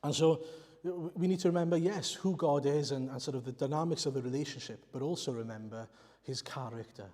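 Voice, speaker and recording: Welsh-speaking preacher in a reverberant church. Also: male voice, on the high side, brisk, a little mellow. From Wales. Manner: earnest, explanatory, asks the congregation rhetorical questions. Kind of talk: sermon.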